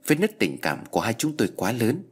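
A man narrating a ghost story in a slow, grave storytelling voice. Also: mid-range voice, huge pitch swings, husky.

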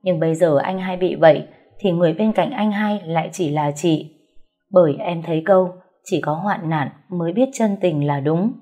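Woman doing a soft-spoken young wife, polite, gentle, low-ish voice, faint music. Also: moderate pace, lightly acted.

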